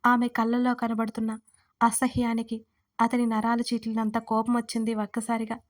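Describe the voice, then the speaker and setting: A woman hosting and narrating a serialized audio story in a steady reading voice. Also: on the high side, moderate pace.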